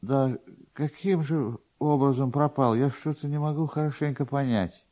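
A man voicing an officious, pedantic, slow-witted male newspaper clerk in a dramatised literary reading, drawing his words out. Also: mid-range voice, dark tone, close to an everyday voice. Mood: puzzled, curious. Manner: deliberate, drawn-out, pedantic. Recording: dull, lo-fi archive radio recording.

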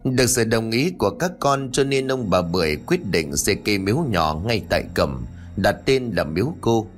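A man's voice: fairly low pitch, sing-song, normal speed. A man narrating a ghost story in a dramatic storytelling manner. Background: faint music.

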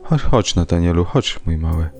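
A man voicing an anxious, tender mother comforting her little son in a read-aloud horror story, in a soft, raised tone. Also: expressive, moderate pace, creaky, soft background music. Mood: soothing. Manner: soft, coaxing, raised pitch.

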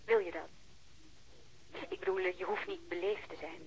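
A woman's voice: on the low side, steady tone, normal speed, dull audio, close to an everyday voice. An actress playing a nervous, tentative woman on the phone in a radio play, searching for her words.

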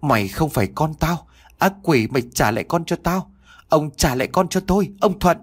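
A distraught young mother in a spoken ghost story, as a male narrator puts her on, her voice pushed up high and strained. She cries out in shrill, sobbing bursts that rise and fall wildly. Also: animated, brisk. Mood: frantic fury. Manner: shrieking, sobbing delivery. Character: young mother, frantic and grief-stricken.

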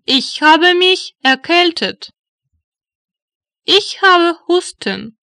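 A woman reading German phrases slowly and deliberately for learners, repeating each one. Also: extremely high pitch, animated, pushed and bright, no room sound, studio quality. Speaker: German language teacher voice. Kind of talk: slow phrase drills for learners.

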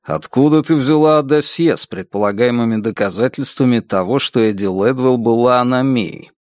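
A man voicing an unsmiling detective in an audiobook, speaking calmly and bluntly. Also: mid-range voice, normal speed, no echo, studio quality, close to an everyday voice. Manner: calm, level, unsmiling. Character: blunt calm male detective, unsmiling, relentless.

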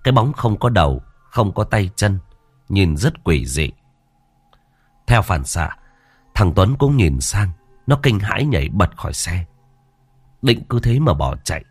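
A man's voice: deep voice, very animated, measured pace, pauses often, a little mellow, slightly rough, no echo. A man narrating a ghost story in a vivid, colloquial way.

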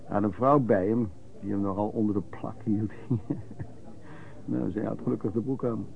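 An actor playing a rough, hard-drinking vagrant pedlar who reminisces in colloquial, old-fashioned, hesitant anecdotes in a Dutch radio play. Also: male voice, on the low side, fairly even intonation, normal speed. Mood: reminiscing. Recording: dull, lo-fi radio play recording.

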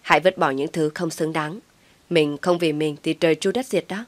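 A woman voicing a kind, steady young man who speaks calmly and reassuringly. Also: deep voice, normal speed, dry recording, close to an everyday voice. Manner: calm reassuring, a little teasing.

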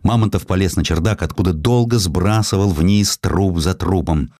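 A man narrating a historical story as an audiobook, in a measured, expressive, solemn and dramatic manner. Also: low-pitched, no echo, studio quality. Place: dry studio.

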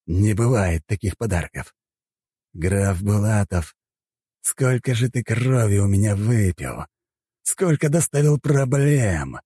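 A man doing a bitter villain hungry for power, a little higher than his plain reading voice but still deep and dark in tone. He spits his lines slowly through gritted teeth. The sound is close and dry. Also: animated, dry recording. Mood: furious. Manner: slow, clenched, snarling delivery.

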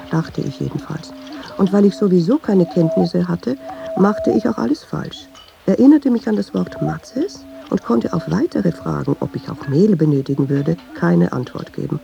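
A woman's voice: lowish voice, creaky. An actress playing a brooding, wry Jewish woman who muses in short, self-doubting sentences in a literary radio play. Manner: reflective, short clipped sentences, musing. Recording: dull sound, faint noise.

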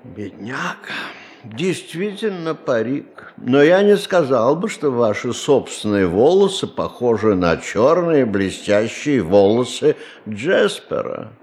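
Patronizing boss, very animated intonation. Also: male voice, medium pitch, slow. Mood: patronizing pity. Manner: patronizing, drawling, dismissive. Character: condescending male boss, brusque yet soothingly skeptical. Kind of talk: Russian radio play acting.

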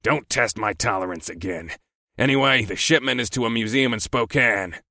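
A man voicing a gruff, impatient male boss with a harsh, rusty growl and a curt, snide way of talking. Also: mid-range voice, moderate pace, bright, forceful tone, no room sound, clean studio sound.

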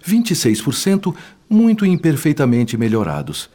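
A man's voice: fairly high pitch, huge pitch swings, normal speed, warm tone. A male actor with a Brazilian accent playing a wise, compassionate spirit instructor in a radio drama, speaking in a didactic, formal, eloquent manner. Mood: grave, factual.

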